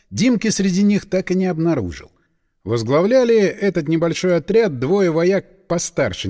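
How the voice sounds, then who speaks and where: A man reading an audiobook in scripted narration, with an expressive, dramatic delivery. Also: fairly high pitch, big-room sound.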